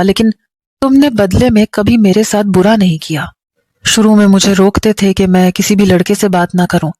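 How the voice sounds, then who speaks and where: A woman's voice: medium pitch, darkish tone, no echo, natural voice. A woman reading as a headstrong, emotional young wife.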